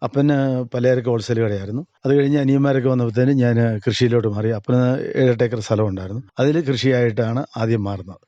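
A middle-aged farmer from Kerala, answering interview questions in a plain, casual way and pausing to search for words. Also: male voice, medium pitch, dark tone, no room sound. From Kerala, India. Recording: dull lo-fi radio recording.

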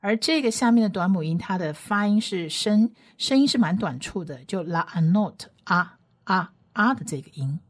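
A woman leads a radio Bible lesson, walking through Hebrew letters one by one. She talks patiently and says each sound again and again, slowly, so listeners can follow along. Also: medium pitch, animated.

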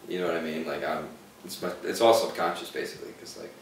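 A man's voice: deep voice, steady tone, fast talker, a little hiss or hum. A young man hosting a casual podcast, hyped and profane with bro slang. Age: young adult. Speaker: podcast host. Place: living room with couch. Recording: echoey room, mic far off.

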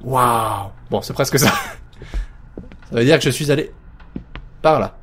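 A man commentating a horror game as he plays it, jokey and excitable, talking to himself. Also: mid-range voice, slow pace, slight background noise. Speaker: let's play host.

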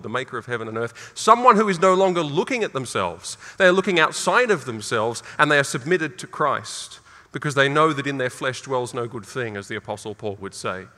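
A middle-aged Australian man preaching a sermon, earnest and emphatic, jumping higher when he quotes scripture. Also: pushed and bright. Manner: earnest, emphatic, with sudden rises for quoted lines. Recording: reverberant hall.

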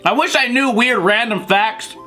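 A young man with an extremely high, sharp voice hosts a casual food review vlog from his living room couch, filmed on a tripod camera. He talks at a moderate pace, blunt and crude with jokey asides, over soft background music.

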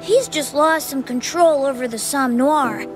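A woman's voice: high-pitched, a little slow, music in the background. A woman voicing a mysterious white cat spirit who guides the player, with a coy, secretive, teasing manner.

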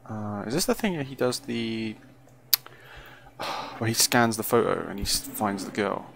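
A man's voice: fairly low pitch, moderate pace. A man giving casual first-impressions commentary on a game, musing aloud hesitantly and often trailing off. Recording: clearly noisy recording.

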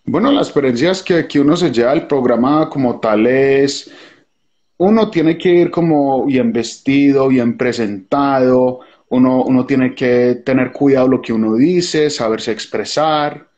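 Casting note: young Colombian man, middle pitch, sincere and reflective, slightly dull lo-fi call sound. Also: unhurried, a little mellow. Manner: earnest, reflective, mixes English fillers. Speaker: guest, former TV show contestant. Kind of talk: casual video call interview. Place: dim room indoors. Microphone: phone video call. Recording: lo-fi video call audio.

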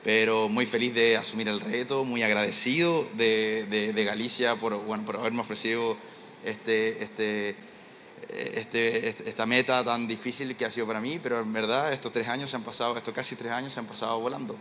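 Hesitant Chilean man, bright voice. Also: lowish voice, flat delivery, moderate pace, a little hiss or hum. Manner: hesitant, repeats words, many fillers. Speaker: winemaker guest. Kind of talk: live stage interview. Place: stage in a large indoor trade fair hall. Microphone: handheld microphone.

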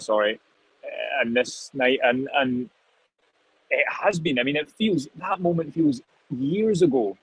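Husky young reporter. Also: male voice, mid-range voice, no room sound, rough recording. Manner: thoughtful, rambling, many restarts. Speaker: football reporter, guest. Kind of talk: live reaction analysis. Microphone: video call.

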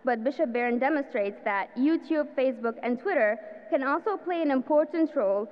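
A woman's voice: high-pitched, lively intonation, a little fast. A young woman, a student, reads a formal introduction of the speaker carefully from a podium. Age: young adult. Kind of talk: read-aloud introduction. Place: large indoor arena. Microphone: podium microphone. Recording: dull sound with long hall reverb.

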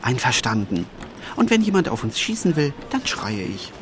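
An actor playing a sardonic, impatient newspaper reporter in a German crime audio drama. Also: male voice, medium pitch, sing-song, normal speed, very noisy, lightly acted.

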